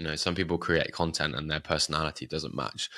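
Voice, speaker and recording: A man's very deep, low voice, bright and sharp in tone, flat and monotone in intonation, on a very clean recording with a silent background. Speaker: content creator. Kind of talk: interview. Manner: moderate pace, not too quick; fairly monotone.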